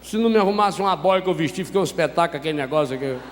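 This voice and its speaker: A Brazilian Catholic priest preaching a sermon, telling a story with humor and asking the congregation questions. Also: male voice, fairly high pitch, very fast. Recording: reverberant hall with faint noise.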